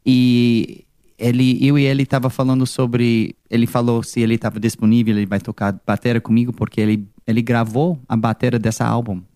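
A young man from California with an American accent, a musician answering interview questions in a second language, pausing and searching for words and slipping into English. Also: mid-range voice, flat delivery, dark tone, no room sound, studio quality. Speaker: musician guest. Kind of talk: casual interview.

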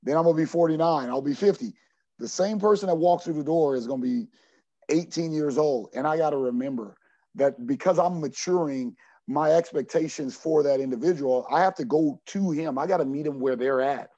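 Earnest forties man, dark muffled voice. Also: a little high, brisk, no echo. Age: 40s. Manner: earnest, repeats words as he searches for them. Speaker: junior college basketball coach. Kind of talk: podcast interview answer.

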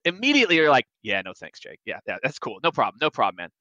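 A man's voice: mid-range voice, huge pitch swings, fast, sharp tone, no room sound, dull audio. A man in his forties, a sales expert guest on a podcast, giving emphatic advice and acting out quoted lines. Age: 40s.

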